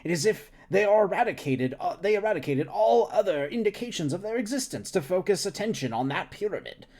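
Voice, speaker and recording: Man putting on a high, lecturing alien scientist. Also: animated, brisk, darkish tone. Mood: eager lecturing. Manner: rambling, lecturing. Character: eager, chatty male alien scientist. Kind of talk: reading a novel aloud on a stream.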